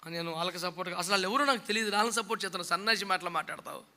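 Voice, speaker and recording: Fiery high-voiced male preacher, scolding. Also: rapid-fire, bright, forceful tone. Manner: scolding, mocking, fiery preaching with rhetorical questions; mimics people he quotes. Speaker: pastor. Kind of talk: sermon.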